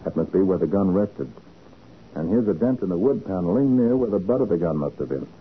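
An actor playing a shrewd, commanding American private detective in a 1940s radio drama, methodical and deliberate. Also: male voice, low-pitched, animated, husky, narrow, tinny audio, exaggerated voice. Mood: assured, deducing. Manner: assured, deliberate, interrogating. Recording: scratchy band-limited 1940s radio recording.

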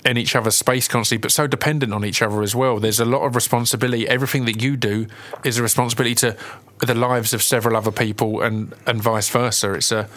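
A man's voice: mid-range voice, steady tone, fast talker, few pauses, fairly bright tone. Enthusiastic Essex man chatting casually. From Essex, England. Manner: enthusiastic, repeats words and phrases. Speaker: podcast interviewer. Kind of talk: casual chat.

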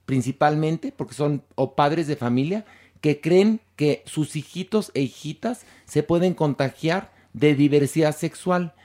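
A man's voice: fairly high pitch, unhurried. A man with a Mexican accent hosting a casual, teasing gossip chat. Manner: lively, teasing. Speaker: show host.

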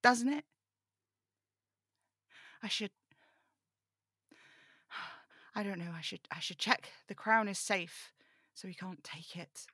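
A burdened, defiant young broadcaster played by a woman in an audio drama read. The voice sits at a middling pitch, snappish and exasperated with a sarcastic edge. The recording is dry and close. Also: measured pace, sharp tone, slightly rough, no room sound. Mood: anxious, resolute. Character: defiant, burdened young male radio broadcaster with magical powers.

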